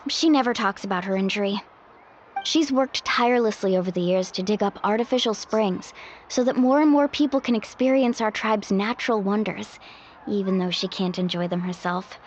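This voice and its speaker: A woman's voice: medium pitch, moderate pace, slight background noise, close to an everyday voice. A woman voicing a cheerful, easygoing young tribal guide in an anime video game, breezy and friendly. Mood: earnest. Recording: muffled game audio under music.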